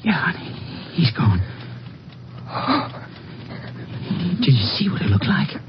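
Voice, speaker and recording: Hushed, alarmed farmer husband played by a man. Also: mid-range voice, very animated, normal speed, over music, natural voice. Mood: protective. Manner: hushed, urgent, folksy. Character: alarmed farmer husband roused from sleep, whispering. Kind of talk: 1950s radio drama acting. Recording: muffled old radio recording.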